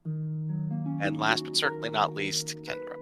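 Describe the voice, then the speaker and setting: A man from the United States serving as dungeon master, narrating a tabletop game livestream in a halting way with many fillers and restarts. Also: fairly low pitch, level tone, loud music behind the voice. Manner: halting, full of ums and uhs and restarts.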